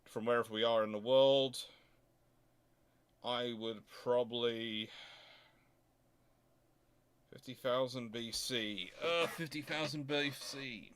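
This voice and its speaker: A man speaks as the host of an informal history question session. His delivery is halting and unscripted, with frequent self-corrections as he reasons his way toward an answer at a middling pitch. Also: fairly bright tone, smooth. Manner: halting, thinking aloud with repeated self-corrections. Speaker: host of a naval history channel. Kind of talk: off-the-cuff answers to listener questions.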